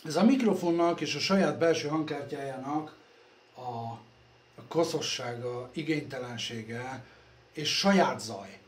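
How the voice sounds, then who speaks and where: A man talking casually while working on computers in his workshop, rambling and self-deprecating, recorded on a phone. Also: on the high side. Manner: rambling, self-deprecating, trailing off softly at phrase ends. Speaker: computer repair vlogger. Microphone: phone camera. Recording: echoey workshop room, faint ambience.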